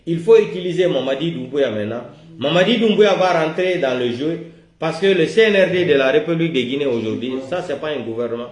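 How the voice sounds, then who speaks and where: A West African man rants about politics in a fairly high voice, in a roomy, echoing space. He is vehement and accusatory, hammering his declarations by repetition and giving commands like an angry orator. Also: expressive, fairly quick. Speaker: political video commentator. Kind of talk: political rant to camera.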